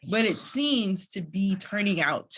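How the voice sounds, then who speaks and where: A young adult woman speaking as a guest and organizer in a casual podcast conversation, animated and emphatic, often calling out to listeners. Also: mid-range voice, unhurried.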